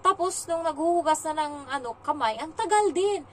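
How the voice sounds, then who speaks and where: A woman's voice: extremely high pitch, animated, normal speed, distant mic, a little hiss or hum, low-quality recording. A young woman from the Philippines, a domestic helper, chatting casually in a vlog and retelling her day with lots of fillers.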